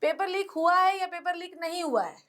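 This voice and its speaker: A woman teaching exam preparation in casual conversation, reassuring students and often affirming with a quick yes. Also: very high voice, a bit bright. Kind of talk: casual educational chat.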